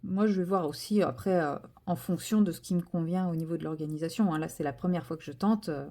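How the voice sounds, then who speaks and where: A woman's voice: lowish voice, quick pace, warm tone. A woman vlogging casually from home, chatty and hesitant with many fillers and self-corrections, turning enthusiastic as she shows a craft kit. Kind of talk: casual vlog chat.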